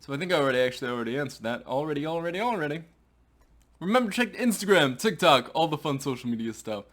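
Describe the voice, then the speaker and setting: A man reviewing snacks in a casual vlog, chatty and animated with playful asides. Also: medium pitch, very fast.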